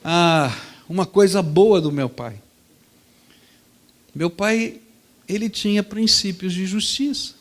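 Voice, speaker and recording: A man, a pastor preaching a sermon in a lively, conversational storytelling manner. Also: high-pitched, slow, pauses often.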